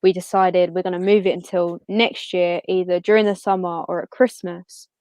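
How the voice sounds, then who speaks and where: A woman's voice: fairly low pitch, level tone, moderate pace, a little mellow, no echo. A woman of about twenty chatting casually as an interview guest in a giggly, chatty manner. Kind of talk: casual chat.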